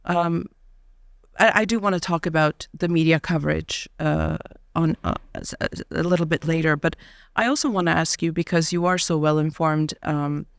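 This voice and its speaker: A woman hosting a podcast interview, speaking in a measured way with frequent fillers and soft laughs. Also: low voice, steady tone, gravelly, no room sound, studio quality. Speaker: podcast host. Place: university studio.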